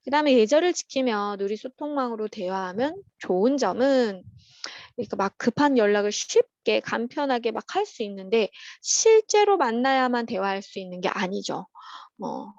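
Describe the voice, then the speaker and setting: A woman teaching at a private academy, patiently walking children through workbook answers in a chatty way, with frequent soft "um" pauses. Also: fairly high pitch, expressive, dry recording, lo-fi sound. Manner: patient and chatty, opens steps with "자" and fills pauses with "어".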